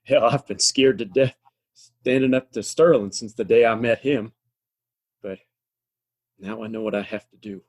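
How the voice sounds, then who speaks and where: An actor playing a weary, resolute saloon keeper in a Western audio drama, plainspoken, gruff and emphatic. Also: male voice, medium pitch, steady tone, moderate pace, pauses often, lightly acted. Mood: defiant, resolved.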